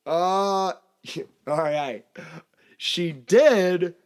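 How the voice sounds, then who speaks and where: A man's voice: high voice, clean tone. Rambling, self-mocking man telling stories. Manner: rambling storyteller, self-mocking, quick to laugh. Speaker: podcast host. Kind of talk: casual chat.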